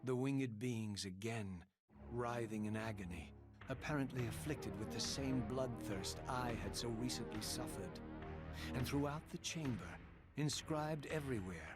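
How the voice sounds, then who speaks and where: A man voicing a proud, bitter, eloquent undead wraith in a gothic video game, with formal, measured, sardonic diction over music. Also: medium pitch, close to an everyday voice. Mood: brooding, solemn. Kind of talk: theatrical gothic video game narration and dialogue.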